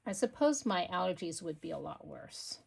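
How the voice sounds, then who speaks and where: A woman hosting a craft video, talking quietly and murmuring to herself as she works, a little sniffly. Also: fairly low pitch, sing-song, moderate pace, gravelly, husky. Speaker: craft channel host. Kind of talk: casual craft-along chat.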